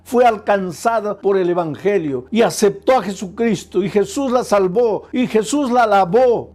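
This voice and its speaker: A man's voice: high voice, darkish tone. A male pastor preaching a sermon in a repetitive cadence, with piled-up phrases and rhetorical questions.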